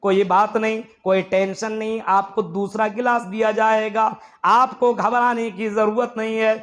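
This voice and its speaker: A man voicing a friendly male shop owner who calmly reassures a customer in a sermon story. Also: high-pitched, measured pace. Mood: soothing. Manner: gentle reassuring.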